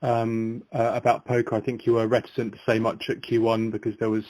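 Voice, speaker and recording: A man's voice: medium pitch, monotone, brisk, darkish tone, no room sound, poor audio. A man working as an analyst, asking polite, tentative questions on a conference call. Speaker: financial analyst.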